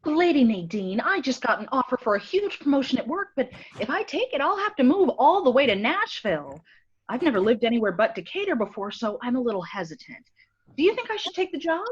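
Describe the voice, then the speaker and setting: Woman playing an earnest high-voiced sketch character, muffled sound. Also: very animated, a little fast. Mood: hesitant, earnest. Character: earnest female contestant or client in sketches. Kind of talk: comedy sketch staged reading. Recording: dull lo-fi sound, faint noise.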